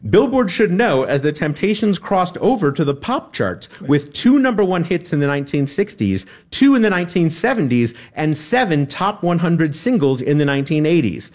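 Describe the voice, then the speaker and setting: A man's voice: on the high side, sing-song, normal speed, hardly any pauses, a little mellow. Upbeat male game show host. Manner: upbeat, reads questions crisply. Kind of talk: game show hosting and interview.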